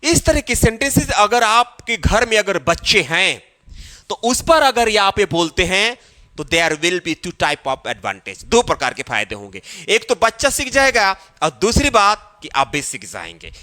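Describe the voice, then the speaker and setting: Slow, high-voiced man teaching English. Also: sharp tone. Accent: Hindi-influenced English. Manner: repeats phrases slowly, drawing out English words. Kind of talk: slow classroom explanation.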